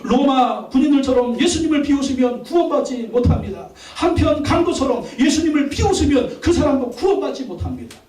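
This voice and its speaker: A man's voice: very high voice, animated, a little fast, few pauses, a little mellow, distant mic, faint music behind. A male pastor preaching a Sunday sermon with emphasis, repeating his phrases and asking the congregation questions. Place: church sanctuary. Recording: echoey church hall, voice from off-mic.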